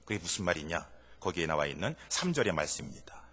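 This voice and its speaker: A male pastor preaching a sermon in a church sanctuary, emphatic, swinging between loud lines and hushed asides. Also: low-pitched, very animated, fast, slightly rough. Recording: reverberant church hall.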